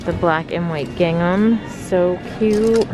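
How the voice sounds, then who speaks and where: A woman filming herself shopping for clothes in a large store, describing each item slowly, from a handheld phone. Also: on the low side, background noise. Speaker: fashion vlogger. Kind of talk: shop-with-me narration. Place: large retail store, indoors. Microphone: handheld phone filming the racks.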